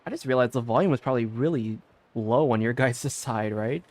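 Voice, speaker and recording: A man's voice: medium pitch, brisk, darkish tone. A man giving casual livestream commentary as he plays a game. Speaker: game streamer.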